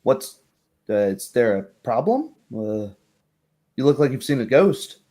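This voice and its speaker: A man's voice: mid-range voice, big pitch swings, measured pace, warm tone. A man voicing an unperturbed, plain-spoken village woman in a tabletop roleplay, in a hesitant, matter-of-fact way. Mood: unperturbed, wary.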